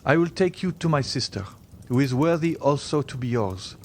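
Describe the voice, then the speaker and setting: A proud young lover as a male narrator plays him speaks at a middle pitch with earnest, formal intensity. His devotion is edged with bitterness and desperation, in the manner of a classic-novel reading. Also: animated, normal speed, a little hiss or hum, natural voice. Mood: urgent, ardent.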